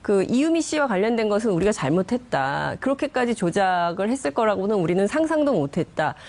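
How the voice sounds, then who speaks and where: A woman speaks in a medium-pitched voice as a reporter on a political panel. She explains conversationally, linking points into long sentences. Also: big pitch swings, fairly quick, a little mellow.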